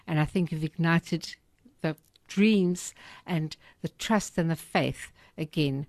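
A woman's voice: sits low, takes it slowly, darkish tone, no room sound, studio quality. A woman hosting a Christian talk show, speaking in a prayerful, affirming way. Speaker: host.

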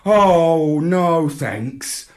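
A reader doing an excitable yappy space puppy. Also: medium pitch, drawn-out words, pitched above the performer's own voice. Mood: excited. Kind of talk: storybook read-aloud.

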